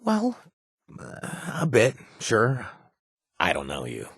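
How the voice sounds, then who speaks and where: An actor voicing a chatty, self-deprecating young ex-raider bartender in a video game, with a husky voice. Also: male voice, on the low side, wildly swooping pitch, slow pace, fairly bright tone, no echo, clean studio sound, full character voice. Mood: wry, chatty. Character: wisecracking male ex-raider turned bartender. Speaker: companion character.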